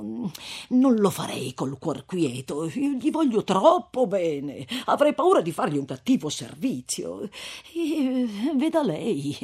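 A man's voice: high-pitched, a little mellow, breathy edge, exaggerated voice. A man voicing an elderly, timid country priest who hesitates and chuckles as he talks. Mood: hesitant. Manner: chuckling, hesitant with drawn-out fillers. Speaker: parish priest.

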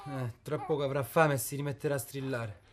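A man's voice: medium pitch, steady tone, brisk, natural voice. A man playing a desperate Salento fixer. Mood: grim weary. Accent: Salento Italian. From Salento, southern Italy. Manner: tense, edgy, shouting in bursts. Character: desperate rough man, hardened local fixer. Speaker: local safari organizer. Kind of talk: short film acting. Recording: noisy location recording.

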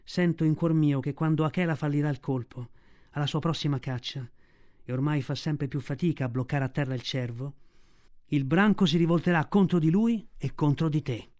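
A proud, protective black she-panther, read by a man in a spoken storybook, tender and grave. The voice sits a little high with a mellow, soft tone. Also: fairly even intonation, moderate pace, natural voice.

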